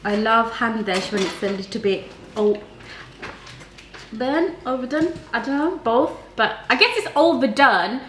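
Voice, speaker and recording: A chatty woman in her thirties with a slightly high voice hosts a home cooking segment, talking loosely and peppering her speech with "like". She's recorded by a camera mic in a roomy kitchen, and faint ambience sits underneath. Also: lively intonation, measured pace, a bit bright, slight background noise. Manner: chatty, uses "like" often. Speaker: cooking show host. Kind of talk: casual cooking chat.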